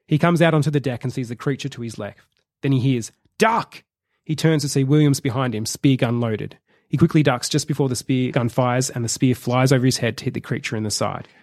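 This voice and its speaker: Gravelly man telling a film pitch. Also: steady tone, a little mellow, no echo. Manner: vivid, measured storytelling. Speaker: podcast host. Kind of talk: narrating a comedic film pitch. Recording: dry close sound.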